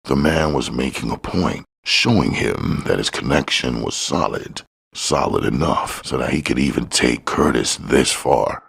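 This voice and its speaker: A man's voice: extremely low pitch, lively intonation, unhurried, creaky, a bit bright, husky. A man reading a crime novel aloud as an audiobook narrator.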